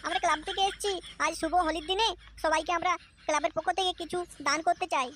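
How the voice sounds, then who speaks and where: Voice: very high voice, fairly even intonation, fast, a bit bright, a little hiss or hum. A performer voicing a young boy, an eager but uneasy prankster's sidekick in a Bengali comedy cartoon. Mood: coaxing.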